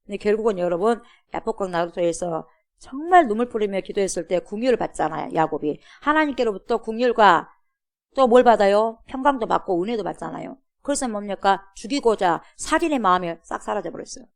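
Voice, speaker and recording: A woman pastor delivers a sermon in a church with an emphatic, insistent delivery. She keeps turning to the congregation with repeated rhetorical questions. Her voice sits at a middle pitch for a woman. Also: expressive, brisk, vocal fry.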